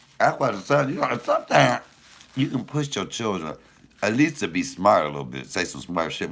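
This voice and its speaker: An animated man talks at a moderate pace with very wide pitch swings. Vocal fry runs through his voice. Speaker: comedian. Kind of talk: casual livestream chat.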